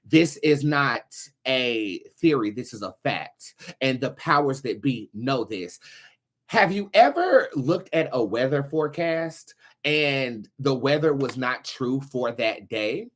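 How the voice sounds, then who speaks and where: A man hosting a show, giving casual commentary in a halting way with emphatic stresses on key words. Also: mid-range voice, animated. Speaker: host of a tarot and commentary show.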